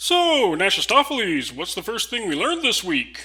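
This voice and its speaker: A put-on character voice from a woman, fairly high in pitch, with very wide pitch swings at a moderate pace. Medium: voice reel.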